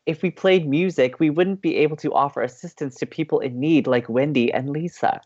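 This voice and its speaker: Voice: mid-range voice, fairly quick, darkish tone, no echo, lo-fi sound, close to an everyday voice. An actor playing a playful, sociable college radio co-host who banters earnestly and teasingly with theatrical emphasis.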